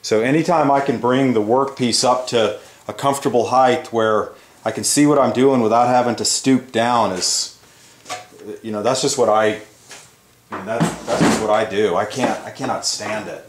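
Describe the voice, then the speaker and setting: A man in his fifties, a woodworking instructor and host, gives a casual, folksy, rambling hands-on demonstration in an indoor shop. His medium-pitched voice is fairly even at a moderate pace, and the echoey workshop picks up tool and rubbing noises.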